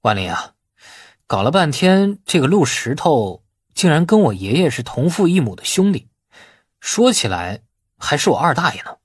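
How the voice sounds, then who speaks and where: A man voicing a shrewd, bossy man who gives orders in a brisk, casual, persuasive way in an audiobook. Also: a little high, big pitch swings, slightly rough, dry recording, studio quality. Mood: matter-of-fact.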